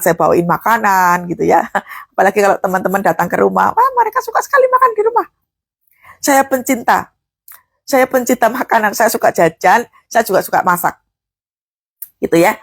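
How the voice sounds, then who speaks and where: A woman's voice: mid-range voice, vocal fry, husky, dry recording. A woman preacher giving a sermon in a conversational, folksy way, moving between teaching and fervent prayer.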